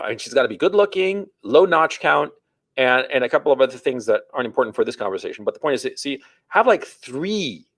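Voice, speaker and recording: A man in his forties, a podcast host, telling a story and giving dating advice in a blunt, crude, animated way. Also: mid-range voice, no room sound. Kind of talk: casual dating-advice talk.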